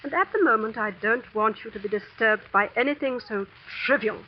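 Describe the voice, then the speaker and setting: A woman's voice: fairly high pitch, a little fast, slight background noise, close to an everyday voice. A woman playing a cold, commanding school dean. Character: stern domineering female school dean holding seance. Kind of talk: 1940s radio acting. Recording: dull old radio broadcast.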